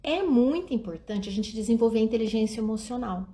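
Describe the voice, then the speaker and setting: A woman's voice: on the high side, lively intonation, fairly quick, mellow. A middle-aged woman speaks outdoors at night in a live-stream talk on raising children. She talks to her viewers directly and acts out the words of parents and children. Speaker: early childhood education speaker.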